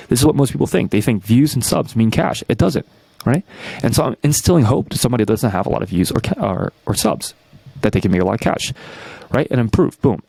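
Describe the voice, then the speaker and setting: Fast-talking, gravelly young man coaching. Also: medium pitch, dry recording. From New York, USA. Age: 20s. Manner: energetic, rhetorical questions, constant tag "right?". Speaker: YouTube business coach. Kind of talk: teaching marketing breakdown.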